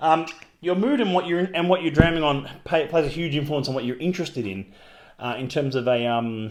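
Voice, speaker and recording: A man at a very fast pace with ordinary pitch variation, in a very clean recording with a silent background. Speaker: whisky brand ambassador. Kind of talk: live stream chat. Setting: office. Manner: loud; animated.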